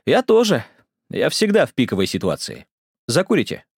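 A man's voice: fairly high pitch, huge pitch swings, moderate pace, breathy edge, dry recording, studio quality, pitched above the performer's own voice, exaggerated voice. A man voicing a cheerful, theatrical male would-be opera singer who talks in an effusive, fond way. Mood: breezy.

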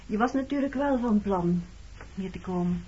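A woman's voice: mid-range voice, normal speed, dark tone, close to an everyday voice. Radio drama casting: actress as guarded woman, early thirties, terse and pointed with an old flame; dull, noisy recording. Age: 30s. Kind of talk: Dutch radio play dialogue.

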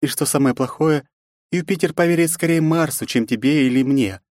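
A man's voice: a little high, fairly quick, a little mellow, no room sound, studio quality, voice pushed up, lightly acted. A man voicing an anxious, cautious older woman pleading on a phone call in an audiobook. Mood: worried.

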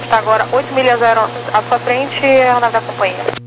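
Brazilian lady air traffic controller, really quick, highish voice, noisy crackly radio. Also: steady tone. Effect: two-way aviation radio. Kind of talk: rapid procedural radio instructions. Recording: crackly radio with clear noise and hum.

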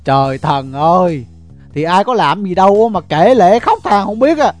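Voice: medium pitch, animated, moderate pace, darkish tone, no echo, soft background music, close to an everyday voice. A performer voicing a coaxing, bantering young rural boyfriend in an audio story. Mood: exasperated. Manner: bantering, wheedling.

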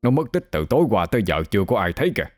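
A man voicing a gruff older village grandfather in a storybook, scolding in a hurry. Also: fairly low pitch, sing-song, racing. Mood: gruff hurried.

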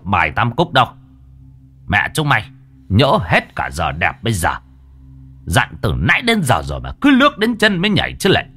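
A man voicing a bossy, cursing old clan elder who barks orders fast. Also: mid-range voice, wildly swooping pitch, bright, forceful tone, breathy edge, soft background music, exaggerated voice. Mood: scolding. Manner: barking, scolding, rapid.

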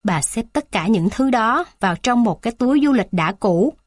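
A woman narrating a children's story in a steady, plain reading voice. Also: fairly high pitch, normal speed, no echo, clean studio sound.

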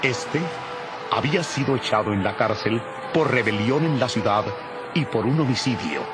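A man reading scripted Bible narration in a formal, measured, solemn manner. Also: medium pitch, animated, over loud music.

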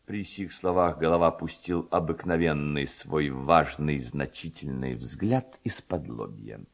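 Male storyteller: low-pitched, unhurried, theatrical reading of classic prose, expressive and deliberate. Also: creaky. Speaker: narrator and reader. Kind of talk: literary storytelling, scripted narration.

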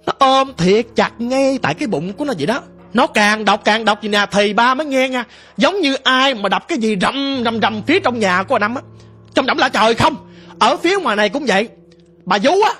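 High husky woman telling ghost stories. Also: a bit bright. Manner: dramatic, conversational retelling. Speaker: storyteller. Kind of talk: ghost story narration.

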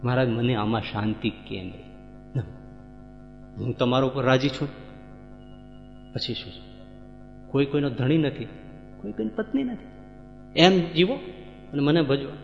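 A man voicing a calm, authoritative spiritual master who counsels his followers, in a sermon story. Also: mid-range voice, unhurried, creaky, long pauses. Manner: calm, commanding. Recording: echoey hall, dull sound, faint music.

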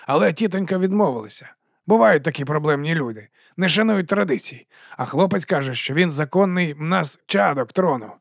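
A man plays a shifty, pushy street vendor in a storybook, with a high, brassy, slightly gravelly voice. He hawks his wares loudly and wheedles every customer, recorded dry and close. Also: lively intonation, a little fast, no echo. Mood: hawking. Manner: wheedling sales patter, loud hawking.

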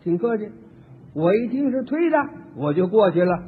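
A man's voice: high-pitched, big pitch swings, moderate pace, slightly rough. A man performing a solo comic story, acting out both sides of each exchange. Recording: tinny archival radio recording with long hall reverb.

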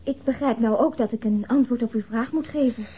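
A woman's voice: on the high side, a little fast, warm tone, husky. An actress in a radio drama playing a frank, flirtatious woman witness who speaks in a hesitant yet candid, matter-of-fact way. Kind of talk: radio drama acting, naturalistic dialogue.

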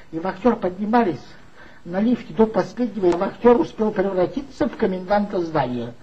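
A man's voice: sits high, lo-fi sound. An actor playing a tipsy former magazine worker who mockingly gossips about his old boss in a 1960s radio play. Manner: gossipy, mocking, confiding storyteller.

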